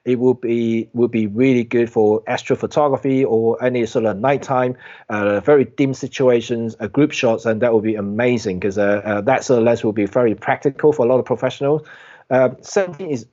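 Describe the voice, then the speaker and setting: A man's voice: medium pitch, fairly even intonation, fairly quick, warm tone. A man chatting casually as a guest photographer on a live stream, rambling with many fillers and restarts. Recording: dull lo-fi stream audio.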